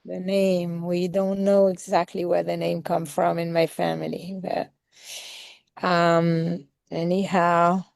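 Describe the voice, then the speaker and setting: A woman's voice: fairly low pitch, vocal fry, darkish tone, no echo. A woman from France, introducing herself in an easygoing way on a video call. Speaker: participant.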